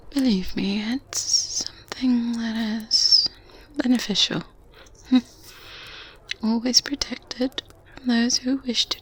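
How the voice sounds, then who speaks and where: A woman playing a good witch in an ASMR roleplay, strict but kindly and gently teasing, in a breathy, soft whisper close to the microphone. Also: on the high side. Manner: slow, gentle, with murmured hums and soft chuckles. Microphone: close binaural microphone. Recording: close binaural mic with ambient background noise. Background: medieval ambience sounds.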